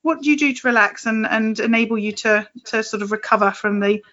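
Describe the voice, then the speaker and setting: A woman's voice: on the high side, a little fast, highs cut off. A woman from the of England, hosting a casual interview and encouraging her guest with frequent laughs. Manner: warm, laughs often, encouraging. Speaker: podcast host.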